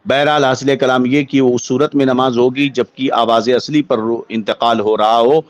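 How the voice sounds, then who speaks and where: A man with an Indian accent, a Muslim cleric giving a religious ruling as a lecture in deliberate, formal scholarly phrasing. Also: mid-range voice, steady tone, no room sound, muffled recording.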